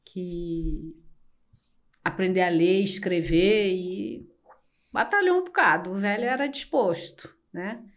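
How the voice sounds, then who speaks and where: An older woman from Brazil, a podcast guest telling her life story slowly and reflectively, with many pauses. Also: lowish voice, animated. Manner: slow, reflective, with frequent pauses and fillers. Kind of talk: personal storytelling in an interview.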